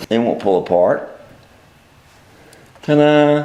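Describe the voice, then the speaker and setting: A man is talking. His voice comes with audible room echo. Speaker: amp repair hobbyist. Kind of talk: tutorial. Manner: casual, chatty.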